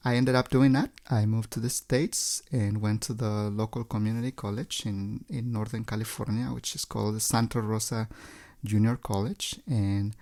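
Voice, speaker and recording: A man's voice: lowish voice, level tone, moderate pace, dark tone. A man from Mexico with a Mexican Spanish accent, a native Spanish speaker, telling his story politely and chattily, repeating words as he goes. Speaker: podcast guest. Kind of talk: casual interview.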